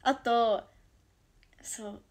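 A young woman from Toyama with a Toyama dialect, chatting casually on her livestream and reacting to viewer comments, dropping to soft murmurs and then bursting out brightly. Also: a little high, fairly even intonation, very slow. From Toyama, Japan. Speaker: idol livestream host.

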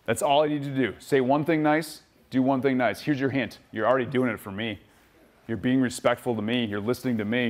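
A man giving an upbeat motivational talk to kids at a safety camp, telling stories and acting out children's voices. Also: on the high side. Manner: animated storytelling, acts out kids' voices. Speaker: camp speaker. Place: outdoor camp event.

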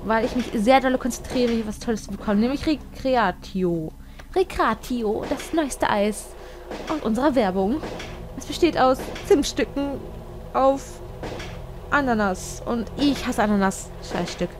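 Young woman, high-pitched, playful game commentary, reads in-game text aloud, light background hiss. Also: measured pace. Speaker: let's player.

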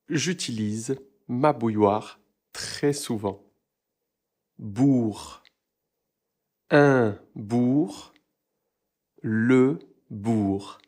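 Un homme qui articule lentement et distinctement. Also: male voice, mid-range voice, a little mellow. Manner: slow, deliberate, over-articulates words for learners. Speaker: French teacher. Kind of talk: pronunciation lesson.

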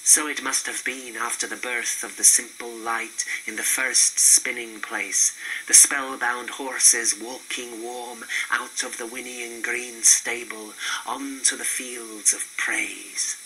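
A man reciting poetry in measured, declamatory phrases. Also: medium pitch, flat delivery, bright, forceful tone, low-quality recording. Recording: faint hiss and background noise.

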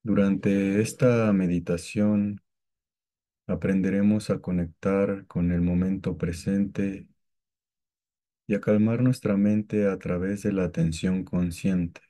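A deep-voiced man serves as a meditation guide, giving calm, gentle, scripted instructions with long pauses between phrases.

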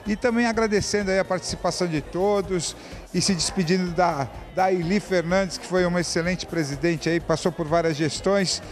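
At a crowded evening party, a man with a Brazilian Portuguese accent hosts and interviews guests with a handheld mic, upbeat, enthusiastic and full of compliments. His voice sits high, and he speaks at a moderate pace.

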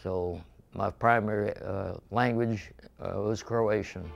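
An older man from western Pennsylvania, seated in a studio, recounting his memories in a measured, halting way with many pauses. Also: on the low side, steady tone, vocal fry, lo-fi sound, soft background music. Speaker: veteran interviewee. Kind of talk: recorded oral history interview. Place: indoor studio with painted backdrop.

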